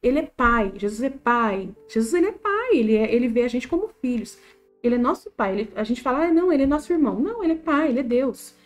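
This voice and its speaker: A woman with a Brazilian Portuguese accent giving an informal religious lesson, lively and repetitive, acting out small scenes as she explains. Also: on the high side, a little fast, soft background music. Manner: animated, repetitive, acts out little quoted scenes. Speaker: Catholic study group teacher.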